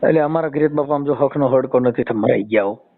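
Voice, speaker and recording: Man, Saurashtra Gujarati accent, rapid casual questioner with a teasing streak, heard over a narrow phone line. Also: medium pitch. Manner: teasing, colloquial, repeats and rephrases answers. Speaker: host mediating a family dispute by phone. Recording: tinny, narrow phone-call audio.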